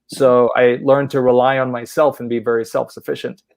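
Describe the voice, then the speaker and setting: A Polish-born man of about forty with a gravelly, creaky edge to his voice. He tells stories in a relaxed, easy way as a podcast guest. The sound is dry and close. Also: medium pitch, fairly quick, no room sound. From Poland. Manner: relaxed storytelling. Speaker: university soccer head coach. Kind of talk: podcast interview.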